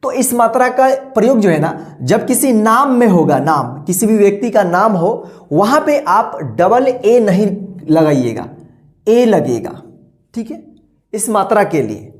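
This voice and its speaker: A woman's voice: medium pitch, sing-song, a little slow. A woman teaching an online reading lesson, explaining patiently, repeating herself, drawing out and spelling out words, and often checking that the class follows.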